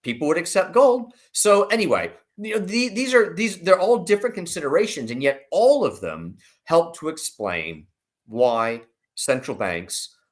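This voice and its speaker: A man's voice: a little high, very animated, moderate pace. A man speaking as an analyst guest, explaining things emphatically in conversational commentary and posing rhetorical questions.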